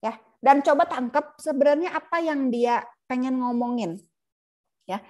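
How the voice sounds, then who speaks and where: A woman's voice: sits high, measured pace, darkish tone. Chatty woman teaching with a laugh. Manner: chatty, laughs often, acts out patient and nurse lines. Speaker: palliative care lecturer. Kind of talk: casual online lecture with role-play examples.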